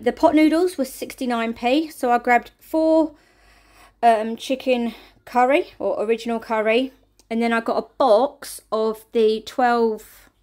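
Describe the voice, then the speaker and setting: A middle-aged woman chatting casually through a family food haul in her kitchen, rambling and counting items aloud. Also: a little high. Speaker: family vlogger. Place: home kitchen, indoors.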